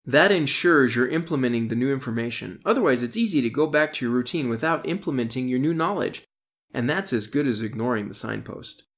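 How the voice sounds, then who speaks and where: A middle-aged man, an author, reads his self-help audiobook in a deliberate, instructional way, stressing key terms. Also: mid-range voice, animated. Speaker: author reading own audiobook.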